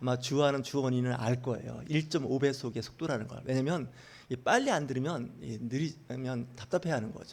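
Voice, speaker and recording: A man talks fairly quickly, his medium pitch rising and falling in an ordinary way. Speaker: pastor. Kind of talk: sermon. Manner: fast.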